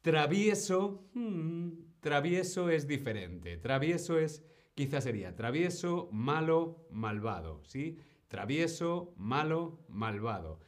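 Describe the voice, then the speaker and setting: A man teaching Spanish on a live stream, speaking slowly and deliberately, repeating words and often checking in with the viewers. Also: fairly high pitch, big pitch swings. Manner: answers viewer questions from chat. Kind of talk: live-streamed language lesson.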